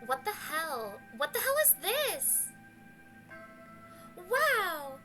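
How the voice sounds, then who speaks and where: A woman's voice: high voice, very animated, slow pace, pushed and bright, faint music behind, exaggerated voice. A woman voicing a pushy, scornful teenage mean girl in a game, with a bubbly sorority-girl manner and a vague Valley Girl accent. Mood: shocked, demanding. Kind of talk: amateur game dub read-through.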